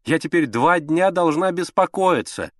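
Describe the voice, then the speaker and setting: A capricious, anxious mother who frets over her son in a high, whiny voice, as a man reads her part. Her pitch leaps about restlessly. The sound is close and dry, with no room around it. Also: expressive, a little slow, dry recording. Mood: fretting. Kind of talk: audiobook character voice.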